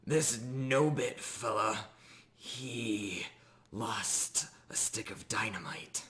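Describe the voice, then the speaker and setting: A man's voice: lowish voice, drawn-out words, a bit bright. A man voicing a testy undead miner from a tabletop fantasy game, exasperated and formal in an old-fashioned way. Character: testy, mannered undead miner in construction hat.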